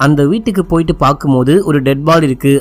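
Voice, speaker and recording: This man's voice is pitched fairly high. He has a normal speaking voice with ordinary pitch variation. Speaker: movie explainer voice-over narrator. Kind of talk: movie story explanation voice-over, casual talk to camera. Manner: chatty, friendly.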